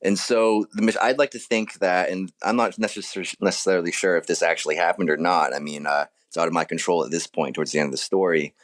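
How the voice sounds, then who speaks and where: A man with a deep, low-pitched voice talks as a guest author in an interview. He explains things casually, often rewording himself halfway through a thought. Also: steady tone, fast talker, hardly any pauses.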